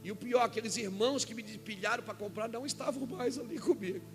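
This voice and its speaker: A Brazilian man preaching a sermon as a pastor, telling a personal story with quoted dialogue and rising to shouts at the peaks. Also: very high-pitched, quick pace, gravelly, over music. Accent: Brazilian Portuguese. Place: church event hall.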